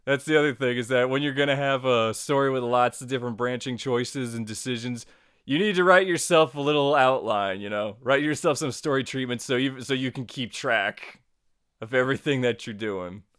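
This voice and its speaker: A man hosting a software tutorial, narrating casually in a playful, chatty, wry way. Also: mid-range voice, moderate pace, smooth, no room sound, studio quality. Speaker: tutorial host.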